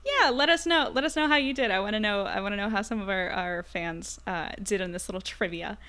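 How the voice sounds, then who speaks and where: A woman's voice: mid-range voice, a little fast, sharp tone, smooth. A woman hosting a casual group trivia podcast, chatting informally. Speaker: podcast host.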